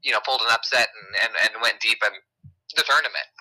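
A hoarse man co-hosting a local sports talk show, talking at length with lots of fillers. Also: on the low side, fast, pushed and bright, rough recording. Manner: chatty, hedging with fillers. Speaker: sports radio co-host.

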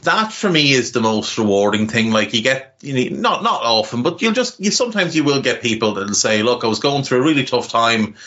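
A man's voice: mid-range voice, lively intonation, fairly quick, hardly any pauses, a bit bright. A man co-hosting a casual podcast chat, talking frankly and earnestly, swearing now and then and restarting his phrases. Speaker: podcast co-host. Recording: dull lo-fi audio.

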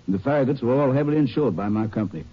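Quick-talking, husky insurance investigator. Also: male voice, medium pitch, animated. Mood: businesslike. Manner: businesslike. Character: brisk, formal male insurance investigator. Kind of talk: 1950s radio drama acting. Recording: muffled 1950s radio recording.

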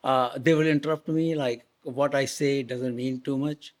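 Man, 70s, Hindi native, interviewee, mid pitch, hesitant fillers. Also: fairly even intonation, normal speed.

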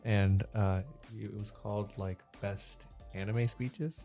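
A man's voice: lowish voice, fairly even intonation, takes it slowly, dark tone, faint music behind. A man hosting a casual podcast chat in an informal, sweary manner. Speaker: podcast host.

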